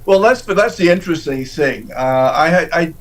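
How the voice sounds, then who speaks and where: A man, a deacon, answering interview questions in a halting way, often restarting and repeating words. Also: on the high side, lively intonation.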